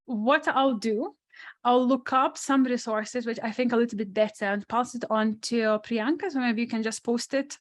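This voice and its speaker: A woman's voice: a little high, moderate pace. A woman with a strong non-native accent, a sports psychologist answering questions on a webinar panel in a thoughtful, restarting way. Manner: thoughtful, many restarts and asides.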